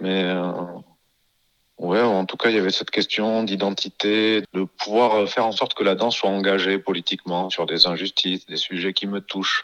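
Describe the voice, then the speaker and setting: A fairly low-pitched man at a moderate pace, monotone and flat, in a dry, close sound with no echo. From France, Bordeaux (Grand Parc). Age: 40s. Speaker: dancer and choreographer. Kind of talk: interview. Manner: hesitant, with many repetitions.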